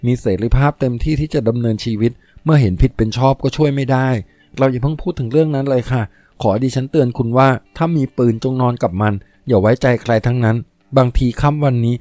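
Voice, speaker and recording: A man's voice: medium pitch, fast, warm tone, no echo, close to an everyday voice. A man reading an earnest young woman's warning. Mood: urgent warning. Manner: polite and earnest.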